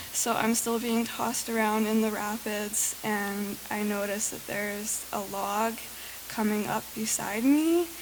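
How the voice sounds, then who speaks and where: A woman speaks at a fairly slow pace with a fairly high pitch and fairly even intonation. Noticeable background noise and audible room echo come through. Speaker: testimony speaker. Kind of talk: testimony. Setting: church brunch with audience.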